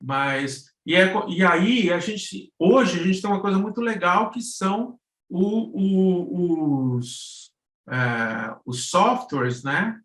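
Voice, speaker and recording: A Brazilian man lectures informally on a live stream in a slightly high voice. He is halting and often searches for his words. The recording is roomy and echoing. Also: lively intonation, a bit bright. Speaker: guest lecturer on podcast production. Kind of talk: informal online lesson.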